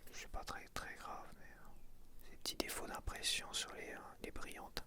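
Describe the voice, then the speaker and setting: Guy whispering asmr style, soft breathy murmuring to himself. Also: moderate pace. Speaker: ASMR creator. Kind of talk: whispered ASMR while sorting stickers.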